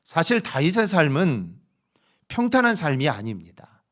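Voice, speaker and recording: Male pastor in the pulpit, high and lively voice, preaching with rising emphasis and rhetorical questions. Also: unhurried. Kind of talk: sermon. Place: church sanctuary.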